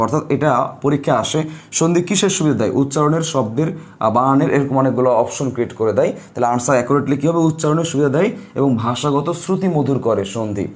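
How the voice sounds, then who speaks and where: A man teaches a grammar lesson in a fairly high voice. He repeats every point and keeps asking his students questions so they write it down. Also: darkish tone.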